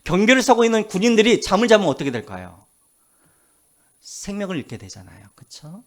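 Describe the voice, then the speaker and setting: A male pastor preaching a Sunday sermon who keeps asking the congregation questions and answering them himself, slowing down to read scripture aloud. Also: high-pitched, big pitch swings. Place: church sanctuary.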